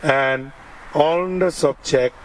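A man who is a Buddhist monk, with a Thai accent and Thai as his first language, giving a dharma talk in English, slow and deliberate in short phrases. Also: mid-range voice, slight background noise. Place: outdoor park gathering.

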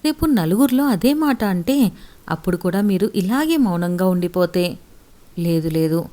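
A woman's voice: lowish voice, lively intonation, moderate pace, warm tone, natural voice. Woman voicing a tearful, wronged young wife. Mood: hurt, pleading. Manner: pleading, emotional.

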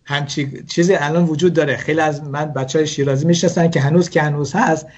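Husky higher-pitched man explaining. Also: steady tone, a little mellow, muffled recording. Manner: hesitant, many fillers and restarts. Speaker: guest speaker on Jewish customs. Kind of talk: explanatory talk show chat.

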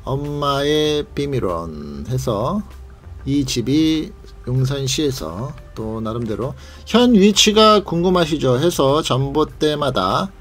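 A man's voice: medium pitch, very animated, takes it slowly, a bit bright, soft background music. Man narrating a leisurely street tour. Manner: leisurely guide-like, pointing things out. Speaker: vlog host.

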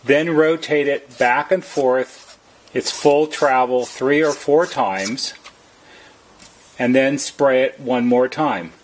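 A man with a slightly husky voice narrates a how-to as a service technician, explaining plainly and methodically, step by step. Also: mid-range voice, slow pace, a little hiss or hum, rough recording. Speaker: service technician giving a tutorial.

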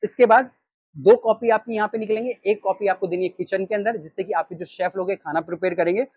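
A man in his thirties with an Indian accent, teaching restaurant staff how to take orders in an animated way. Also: high-pitched, quick pace, slightly rough, lo-fi sound. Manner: animated, gestures while reading from a sheet. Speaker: restaurant trainer. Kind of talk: training talk. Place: storefront of a small takeaway, outdoors. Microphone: lapel mic.

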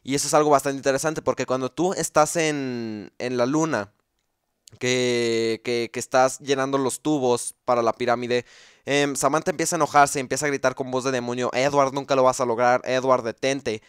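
A man's voice: medium pitch, steady tone, normal speed, clear, resonant tone, dry recording, studio quality. A man gives casual commentary explaining video game lore. He thinks aloud, with frequent fillers and restarts.

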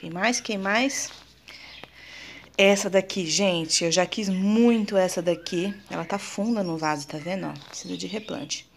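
A woman with a Brazilian Portuguese accent and a mid-range, gravelly voice hosts a casual plant show-and-tell vlog at a slightly slow pace, with a little hiss or hum in the audio. Chatty and affectionate, she uses lots of diminutives and keeps turning to her viewers.

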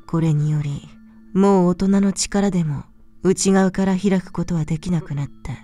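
A woman narrates a scary story in a slightly low voice with a dark, relaxed tone. Her delivery is measured, calm and soft, suited to scripted ghost-story reading for late-night listening. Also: no echo, faint music behind.

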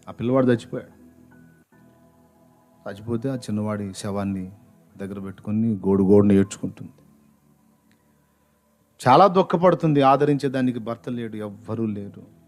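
A male pastor telling a story in his sermon, swinging between loud outbursts and hushed lows. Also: moderate pace, long pauses. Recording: faint background music.

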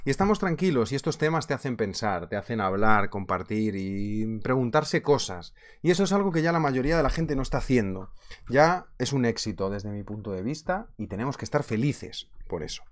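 A man in his thirties with a Spain Spanish accent, teaching a live online trading class in a chatty, animated way, laughing often, from a small office on a webcam. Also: medium pitch, fairly quick. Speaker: trading instructor. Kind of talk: casual live webinar teaching.

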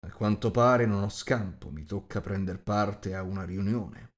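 A man voicing a gruff, rude, huge shape-changer who growls and talks bluntly. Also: fairly low pitch, unhurried, close to an everyday voice.

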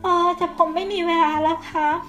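A woman's voice: very high voice, flat delivery, brisk, a bit bright, soft background music. A woman voicing a desperate whiny schoolboy. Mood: pleading. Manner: whiny, urgent, groaning. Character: boy toy figure, schoolboy, desperate for the toilet.

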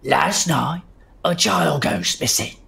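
An actor in an audio drama playing a blustering, menacing small-town sheriff with a gravelly voice and folksy rough speech. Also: mid-range voice, expressive, pushed and bright, full character voice. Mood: accusing. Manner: folksy rough dialect, drawn-out sneering questions.

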